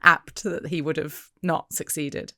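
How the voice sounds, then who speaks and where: A woman's voice: low voice, steady tone, unhurried, bright, forceful tone, dry recording, clean studio sound. Giggly woman with a faded Black Country accent. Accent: softened Black Country English. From Black Country, England. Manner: giggly, rambling, candid. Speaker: podcast co-host, teacher. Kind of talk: casual podcast chat.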